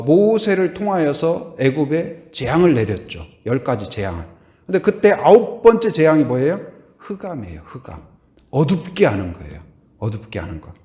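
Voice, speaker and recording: A man preaching a sermon as pastor, asking the congregation questions and answering them, swinging from loud to hushed and trailing off on repeated words. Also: fairly high pitch, reverberant. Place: church sanctuary.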